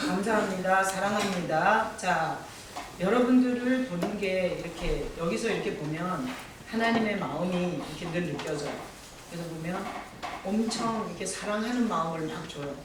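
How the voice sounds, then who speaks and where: A pastor giving a sermon from the pulpit, telling stories with gentle humor and calling on members of the congregation by name. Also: medium pitch, noisy background. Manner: warm storytelling with gentle humor. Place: church sanctuary, from the pulpit. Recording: very echoey hall, voice from far off.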